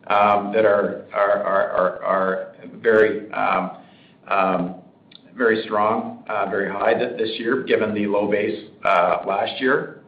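Male executive, stiff and hesitant, lower-pitched, on a roomy speakerphone conference call. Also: little pitch movement, dull audio. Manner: stiff, halting, careful corporate delivery. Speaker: company executive on an earnings call. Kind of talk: answering analyst questions on a conference call.

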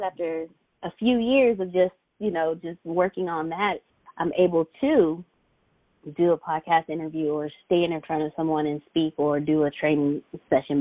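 A woman hosting a podcast interview, earnest and quick to laugh. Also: no echo. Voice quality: high-pitched voice. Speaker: podcast host. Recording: tinny phone-like line, dry.

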